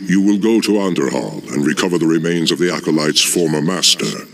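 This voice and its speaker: A scheming male demon lord speaks in a voice of extreme depth with a gravelly rasp. His pitch rolls and swoops as he doles out orders slowly and with menace. A loud orchestral game score plays behind him. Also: animated, faint music behind, heavily acted. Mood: sinister. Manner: slow, measured and menacing. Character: scheming demon dreadlord, male, cold and commanding. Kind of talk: video game cutscene acting.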